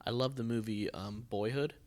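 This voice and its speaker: A man's voice: mid-range voice, fairly even intonation, moderate pace, a little mellow. A man hosting a casual theatre podcast, talking conversationally and often restarting his phrases. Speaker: podcast host, theatre producer.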